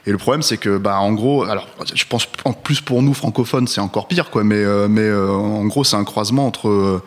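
A man's voice: on the low side, normal speed. A man reviewing a film in casual panel talk, hesitant, with many fillers and restarts as he builds his points.

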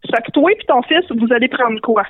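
A woman's voice: on the high side, normal speed, dry recording, natural voice. A woman doing a blunt, slangy Québécois innkeeper. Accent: Québécois French. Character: blunt sarcastic male innkeeper. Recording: dry narrow phone-line sound.

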